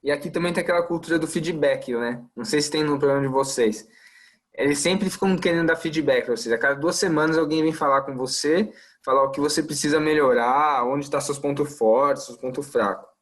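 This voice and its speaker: A man's voice: a little high, a little fast. A young adult man from Brazil with a Brazilian Portuguese accent, a medical resident talking in a casual podcast chat, thoughtful and full of fillers. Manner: thoughtful, many fillers and trailing asides.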